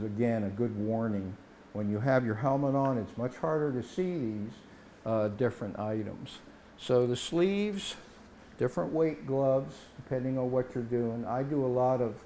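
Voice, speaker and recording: A man's voice: medium pitch, warm tone, slight background noise. A man in his sixties giving a plain-spoken, explanatory demonstration as a welding instructor, standing indoors in a workshop. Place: indoor workshop set, standing before a tool board.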